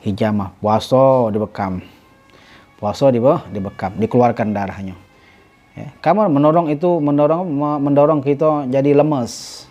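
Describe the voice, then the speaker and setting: A man teaching a religious study class, reading Arabic phrases slowly, then explaining them with many halting self-corrections and a repeated "ya". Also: medium pitch, soft background music. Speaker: ustadz teaching a kitab class. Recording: dull lo-fi recording.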